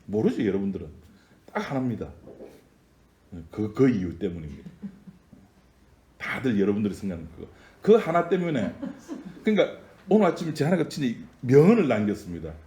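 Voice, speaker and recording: A man's voice: lowish voice, big pitch swings, brisk, pauses often, dark tone, echoey room. A man preaching a sermon in a conversational style, often asking the congregation questions. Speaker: pastor.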